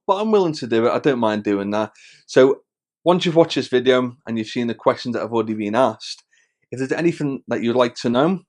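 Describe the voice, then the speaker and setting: Speaking to camera as the host of a hobby channel, a Wirral man in his thirties chats in a relaxed, friendly way, his accent carrying a Scouse twang. The pitch is medium and slightly mellow, and his talk is full of fillers and restarts.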